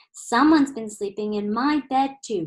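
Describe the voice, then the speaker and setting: A woman puts on a growling character voice at a fairly high pitch. She keeps a moderate pace. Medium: read story.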